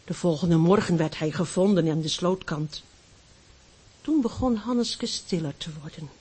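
A woman reading a Christmas story aloud, slow and expressive, dropping very low for the quiet moments. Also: breathy edge. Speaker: story reader.

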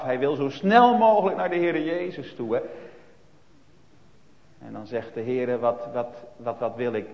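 A man preaching a sermon to children, emphatic and shifting between loud stresses and hushed asides, with many tag questions. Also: medium pitch. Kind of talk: sermon retelling a Bible story for children. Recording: reverberant, dull lo-fi church recording.

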